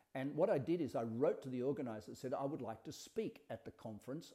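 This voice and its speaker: A man with an Australian accent, medium pitch and a dark, mellow tone, with lively intonation at a very fast pace. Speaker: business consultant and speaker. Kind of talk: solo monologue podcast. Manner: halting, with fillers.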